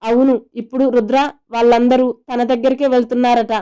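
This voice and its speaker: A woman's voice: on the high side, flat delivery, fairly quick, mellow, clean tone, dull audio, lightly acted. Gender: man voiced by a woman. Role: remorseful young husband in an audio story. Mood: earnest.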